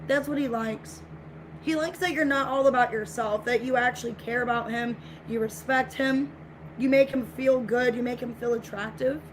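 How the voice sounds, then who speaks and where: A woman's voice: a little high, steady tone, normal speed. A woman giving a casual tarot reading to viewers, speaking in a repetitive, reassuring way, with her voice getting scratchy. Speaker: tarot reader.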